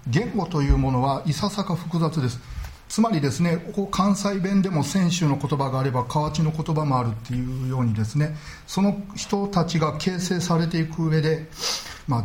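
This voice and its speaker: A man delivering a Sunday sermon, his voice sitting a little high. He speaks earnestly and at a measured pace, filling pauses with small verbal fillers. He slows down deliberately to press home his main points. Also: a little mellow. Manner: measured, earnest preaching with frequent filler words. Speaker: pastor.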